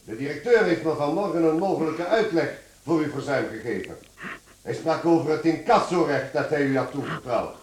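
An actor in a radio play playing an officious, stern chief clerk who speaks formally and reproachfully. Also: male voice, on the high side, lively intonation, a little fast, close to an everyday voice. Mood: stern, indignant. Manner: formal, pompous. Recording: echoey, slightly noisy radio drama recording.

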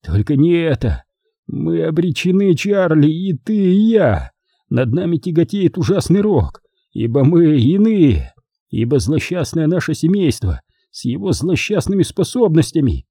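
A man's voice: on the low side, huge pitch swings, normal speed, few pauses, dark tone, breathy edge, dry recording, clean studio sound, heavily acted. A man voicing a theatrical, despairing middle-aged uncle who wails and exclaims in an audiobook. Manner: melodramatic, wailing and exclaiming. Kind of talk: audiobook character reading.

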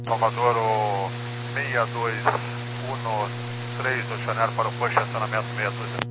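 A man's voice: on the low side, steady tone, moderate pace. A man talking as an airline pilot over the aircraft radio, reading back instructions in clipped, procedural phrases. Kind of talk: terse radio readback. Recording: noisy, distant air-band radio. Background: radio hiss and hum.

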